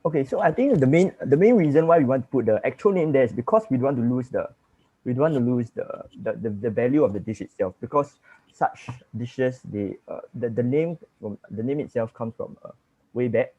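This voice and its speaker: A man's voice: mid-range voice, lively intonation, fairly quick, mellow, slightly rough, dry recording. A young man with a Singaporean accent, earnestly explaining his team's choices to judges over a video call. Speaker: student contestant. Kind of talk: answering judges' questions. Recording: dull dry lo-fi call audio.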